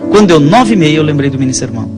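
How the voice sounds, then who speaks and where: A man with a Brazilian accent, a priest, talking conversationally about faith and telling stories in a halting, rambling way. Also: on the high side, very animated. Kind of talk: conversational religious storytelling. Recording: music playing behind the voice.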